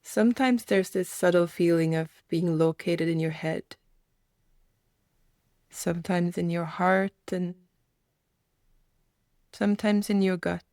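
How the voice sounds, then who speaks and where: A woman leads a guided meditation in a slightly low voice. She phrases things as gentle invitations and leaves reflective pauses between them. The sound is very dry, with no room around it. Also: clear, resonant tone, no echo.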